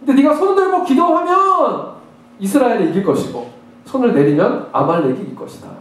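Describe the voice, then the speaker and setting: A high-pitched man preaches with swooping, lively intonation, jumping between hushed asides and excited acted-out prayers. His voice rings through a very echoey church hall, picked up from some distance away. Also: a little fast. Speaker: pastor. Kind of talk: sermon. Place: church sanctuary.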